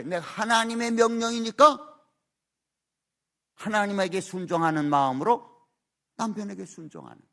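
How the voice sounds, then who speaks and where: A man's voice: sits high, a bit bright. An older man, an emeritus pastor, preaching a sermon in church with emphatic rhetorical questions. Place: church sanctuary.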